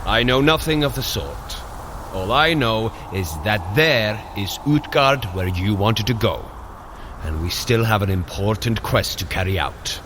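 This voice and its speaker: An actor playing a hearty, loyal Norse thunder god in an audio drama, speaking in an earnest, formal, theatrical way. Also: male voice, lowish voice, expressive, unhurried. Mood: friendly, firm. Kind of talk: audio drama acting, archaic formal speech. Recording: clearly noisy outdoor ambience behind.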